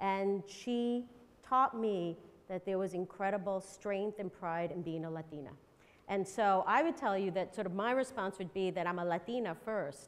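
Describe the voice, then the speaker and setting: Here is a woman with an unremarkable speaking voice at a medium pitch. Her pitch varies in an ordinary way. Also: moderate pace. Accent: American. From New York City. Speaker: magazine publisher. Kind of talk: panel discussion. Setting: conference stage with audience.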